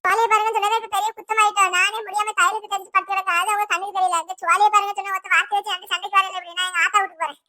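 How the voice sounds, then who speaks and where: A woman voicing an irritable, sick village wife in a cartoon, with a Tirunelveli Tamil accent and a complaining, sharp-tongued manner. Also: flat delivery, very fast, hardly any pauses, dry recording, studio quality. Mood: aggrieved. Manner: scolding, complaining, shrill. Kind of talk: cartoon voice acting.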